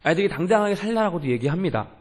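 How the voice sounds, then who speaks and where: A man's voice: sits high, big pitch swings, rapid-fire. A young man, a youth pastor, preaching a sermon in an earnest way and asking the congregation questions.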